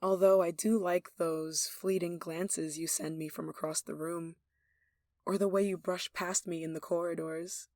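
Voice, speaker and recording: A woman's voice: lowish voice, fairly even intonation, unhurried, a little mellow, no echo, studio quality. A woman acting a lovestruck, possessive young royal in an intimate roleplay, tender and playfully commanding. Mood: resigned, wistful. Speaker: voice actor in an audio roleplay.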